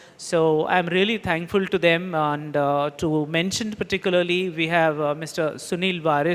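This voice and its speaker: With a Marathi accent, a man speaks at a moderate pace in a high pitch, his intonation fairly even. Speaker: translator and professor. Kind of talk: speech at book launch. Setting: auditorium with audience. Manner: halting, many fillers.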